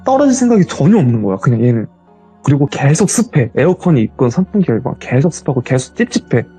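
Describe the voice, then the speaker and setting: A man telling his own ghost story as a guest, in a casual, animated retelling. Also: medium pitch, fast, slightly rough, soft background music.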